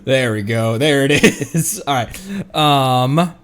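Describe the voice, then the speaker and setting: A man's voice: mid-range voice, animated, slow, a bit bright. A man streaming a game, reacting with chatty, joking commentary. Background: game music.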